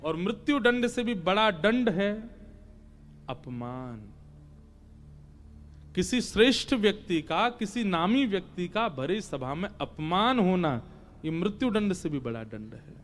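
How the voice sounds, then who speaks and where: High-voiced Hindu preacher telling scripture. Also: male voice. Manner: animated, acts out characters, chants Sanskrit verses. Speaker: katha preacher. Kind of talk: devotional storytelling sermon.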